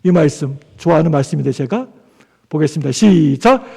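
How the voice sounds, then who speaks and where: A man's voice: sits high, expressive, normal speed, creaky, a little mellow. A male pastor preaching a sermon in a conversational way, asking the congregation for amens. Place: church sanctuary. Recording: long church hall reverb.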